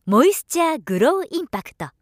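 A woman giving scripted narration as a professional voiceover artist, with a measured, polished delivery. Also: high voice, sing-song, no echo, studio quality.

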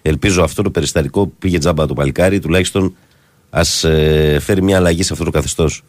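A man's voice: a bass voice, steady tone, no echo. A middle-aged man hosting a morning radio talk show, firmly pushing back at a caller. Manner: firm, lecturing, pushes back at callers. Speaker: radio host.

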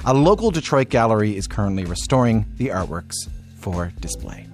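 A man's voice: fairly low pitch, very animated, brisk, over music. A man hosting a radio arts show, chatty and jokey, introducing stories and interviewing guests.

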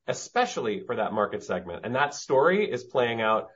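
A man's voice: medium pitch, sing-song, normal speed, fairly bright tone, husky. Emphatic businessman on muffled call audio. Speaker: company executive. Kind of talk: earnings call explanation, business jargon. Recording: dull, lo-fi conference-call audio.

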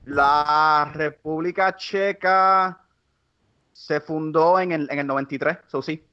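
A man's voice: a little high, fairly even intonation, sharp tone, clean tone, highs cut off. A man with a Puerto Rican accent, a guest comedian chatting casually, full of restarts and slipping into English phrases. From Puerto Rico. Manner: halting, many restarts, slips into English. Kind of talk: casual podcast chat.

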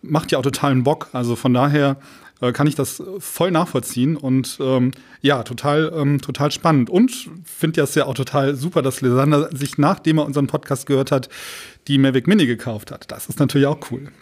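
A man's voice: medium pitch, steady tone, fairly quick, a little mellow. A man co-hosting a podcast in a casual, chatty style. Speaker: podcast co-host.

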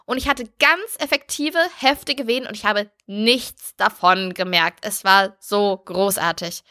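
A woman's voice: medium pitch, measured pace, sharp tone. A young woman telling her own story in casual chat, candid and blunt, swearing freely. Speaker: podcast host.

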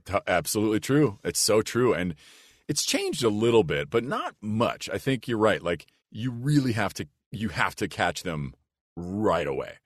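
A man with a big, low, rich voice who talks earnestly and thoughtfully as a voice actor guest in a casual podcast chat. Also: wildly swooping pitch, normal speed, dry recording, studio quality. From United States. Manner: earnest and reflective, with restarts and "like".

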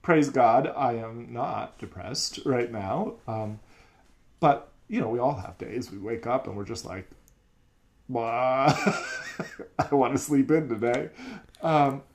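A man's voice: medium pitch, slow. A man who teaches music, talking in an earnest, reflective way in a casual podcast chat.

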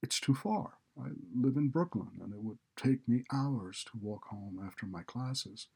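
A man's voice: mid-range voice, lively intonation, measured pace, vocal fry, darkish tone, husky, pitched above the performer's own voice, exaggerated voice. A man voicing an embarrassed but defiant teenage female student in a story, speaking plainly and earnestly. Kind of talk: audiobook character dialogue.

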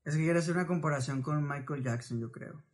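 A man's voice: a little high, quick pace. A man in a casual podcast chat, hedging tentatively before making his point.

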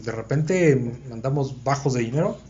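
A man's voice: mid-range voice, animated, moderate pace, warm tone, slight background noise. Man leading a study. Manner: checks in often with the listeners, thinks aloud. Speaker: Bible study leader. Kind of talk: conversational group Bible teaching. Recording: dull lo-fi recording.

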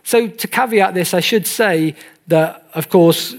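A man with a fairly high voice speaks as a lecturer. He explains statistics in an earnest, didactic manner. Key points get emphatic stress. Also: a little slow. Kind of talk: explanatory presentation of statistics to an audience.

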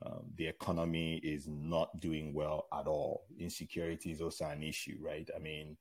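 A man's voice: very deep voice, monotone, normal speed, a little mellow. A middle-aged Nigerian man with a Nigerian accent, chatting as a guest in an interview, rambling with many fillers and restarts. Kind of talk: casual interview chat.

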